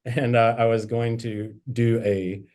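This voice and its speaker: A man's voice: medium pitch, little pitch movement, unhurried, a little mellow. A man, a bishop, reflectively telling anecdotes from his life in a conversational interview. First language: English. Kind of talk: interview storytelling.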